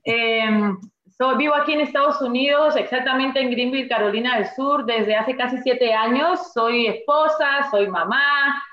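A woman's voice: high-pitched, measured pace, reverberant, dull audio. An older Peruvian woman with a Peruvian accent, a grandmother answering interview questions cheerfully and with jokes. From Peru. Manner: cheerful, warm, joking. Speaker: guest coach.

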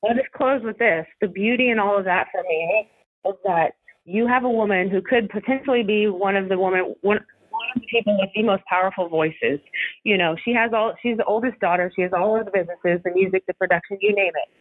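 A woman talks about soccer in a loose, rambling way, full of "you know" and restarts. She comes through a tinny phone line, bone dry, with no room sound. Her pitch sits in an average range. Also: brisk, slightly rough, no room sound. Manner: rambling, many fillers and restarts. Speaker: soccer coach and Spanish-language commentator. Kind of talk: casual podcast interview.

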